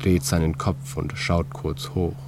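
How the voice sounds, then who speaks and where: A man reading a literary story in a calm, measured way, with many pauses. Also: low voice. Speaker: narrator. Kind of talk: scripted literary narration. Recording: steady hum and drone under the voice.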